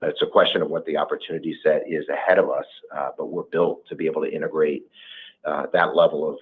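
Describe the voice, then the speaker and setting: A man's voice: very deep voice, steady tone, fast. A male company executive giving hesitant, careful answers on an earnings call over a phone line. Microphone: conference call line. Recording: tinny narrow phone line.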